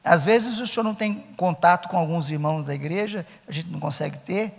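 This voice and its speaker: Emphatic high-voiced Brazilian pastor, gravelly. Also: male voice, a bit bright, in a large hall. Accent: Brazilian Portuguese. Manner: emphatic, repeats key phrases. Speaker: pastor teaching Sunday school teachers. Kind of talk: conference lecture.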